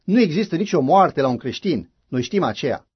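A man's voice: on the high side, expressive, slightly rough, dry recording. A man preaching a sermon in a fervent, emphatic way, with frequent exclamations. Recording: dull lo-fi recording.

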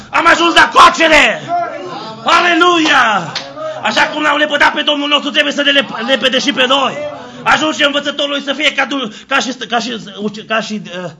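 In a fiery Pentecostal-style sermon, a man shouts Hallelujahs and other exclamations of praise. He poses questions and answers them himself in call-and-response fashion, now and then sinking into low, quiet passages.

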